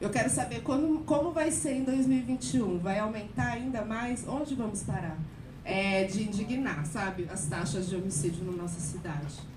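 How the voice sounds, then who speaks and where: A woman speaks at a moderate pace in a medium pitch, her voice swinging very widely in pitch over noticeable background noise and audible room echo. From São Paulo, Capão Redondo. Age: 40s. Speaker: community member. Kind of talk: public hearing speech.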